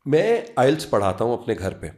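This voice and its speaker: A man's voice: medium pitch, big pitch swings, a little mellow. A man from Pakistan in his fifties, a university lecturer telling personal stories as a podcast guest, mixing in English phrases. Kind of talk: anecdotal storytelling.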